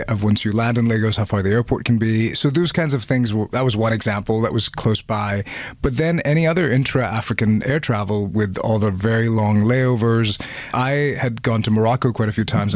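A man from Pakistan, a reporter, explaining his findings in a measured way in a news interview. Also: fairly low pitch, no echo.

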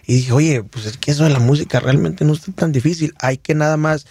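A man's voice: fairly high pitch, brisk, a little mellow, breathy edge, dry recording. A man with a Michoacán Mexican accent, a singer telling his story in a casual radio interview, rambling with many fillers and restarts. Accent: Michoacán Mexican Spanish. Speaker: singer guest.

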